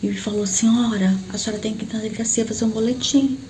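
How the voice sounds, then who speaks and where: A woman's voice: fast talker, a little hiss or hum. A middle-aged woman with a Brazilian Portuguese accent, a church prophet giving a personal testimony and acting out the dialogue as she tells it. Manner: animated, acts out the dialogue with sharp jumps in pitch.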